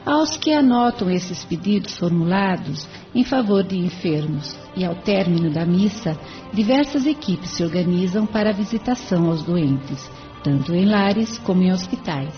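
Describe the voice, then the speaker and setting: A woman's voice: lowish voice, expressive, normal speed, lightly acted. A woman playing a serene church spirit. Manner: explanatory, composed. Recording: dull lo-fi with faint music.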